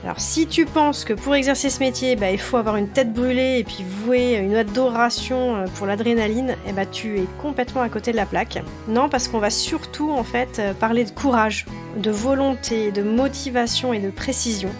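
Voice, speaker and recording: A woman's voice: fairly high pitch, moderate pace, over music. A woman hosting an interview podcast, chatting casually with many fillers and speaking straight to the listener. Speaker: podcast host.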